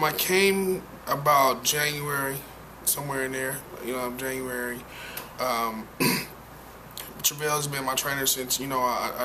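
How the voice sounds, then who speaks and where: A young man being interviewed as a football player, answering in a halting way with many fillers and restarts. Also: mid-range voice. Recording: noisy background.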